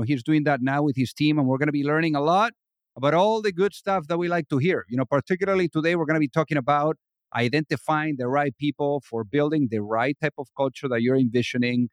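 A man's voice: a little high, no room sound, clean studio sound. A man hosting a podcast, introducing his guest in an upbeat, chatty way with filler phrases. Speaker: podcast host. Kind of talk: casual interview hosting.

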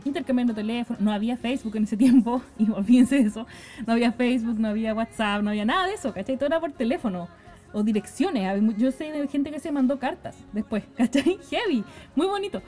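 A woman's voice: a little high, soft background music. A young adult woman with a Chilean accent casually telling a story, chatty and full of slang tags. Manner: chatty, peppered with slang tags, quick and lively.

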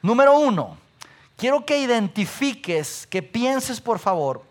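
Brief: pastor, high, bright voice, lively preaching that fires questions at the congregation. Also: male voice, a little slow. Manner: animated, asks the audience questions, repeats lists. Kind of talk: sermon.

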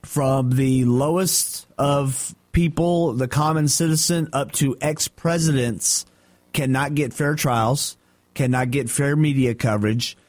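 A man's voice: medium pitch, steady tone, slow, darkish tone, dry recording. A man co-hosting a talk radio show, giving blunt, dismissive opinions in casual chat. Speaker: radio co-host.

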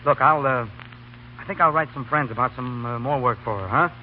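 An actor playing an earnest young American law student, halting and slangy, in a 1930s radio comedy broadcast. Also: male voice, mid-range voice, phone-quality sound, a little hiss or hum, lightly acted. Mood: bustling. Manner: halting, with casual collegiate slang. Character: earnest, boyish male law student helping a girl.

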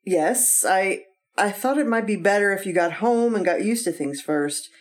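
A woman plays a devoted young wife in an old radio drama. She speaks softly and tenderly. Her tone stays gentle and reassuring throughout. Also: mid-range voice, moderate pace, close to an everyday voice. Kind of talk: 1950s radio acting.

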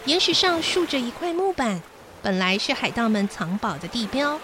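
A woman's voice: a little high, very animated, normal speed. A woman hosting a children's show, narrating a bedtime story expressively. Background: background music.

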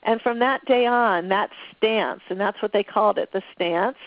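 A woman's voice: mid-range voice, normal speed, dry recording. A woman guest explains her ideas through confident, conversational stories. She has a mid-range voice. The recording sounds dry and a bit dull. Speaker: relationship author guest. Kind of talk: storytelling interview answers.

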